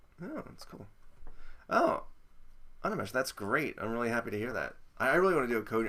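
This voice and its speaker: At a fairly quick pace, a man talks with a bright, sharp tone. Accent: American. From United States. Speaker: programming tutorial youtuber. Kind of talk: live-stream coding tutorial. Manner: casual, hesitant with fillers.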